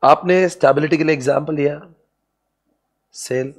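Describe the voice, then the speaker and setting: A man's voice: a little high, moderate pace, slightly rough. A man giving a classroom lecture on business strategy to students, playful and joking, often breaking into laughter. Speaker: commerce exam lecturer.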